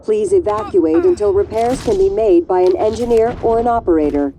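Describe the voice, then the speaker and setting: A calm female station warning system, voiced by a woman in a video game. It makes its announcements in a flat, measured way, with a very mellow, dark tone. A faint hum runs under the game audio. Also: medium pitch, lightly acted. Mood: urgent.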